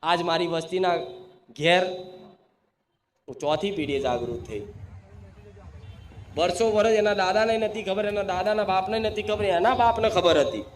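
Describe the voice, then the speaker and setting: A man, a spiritual medium preaching to a crowd in a forceful, declamatory manner. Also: high-pitched, moderate pace, pauses often. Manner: commanding, declamatory, leads call-and-response chanting. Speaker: spiritual medium speaking as the goddess. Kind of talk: possessed devotional sermon to a crowd. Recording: echoey room with faint ambient noise.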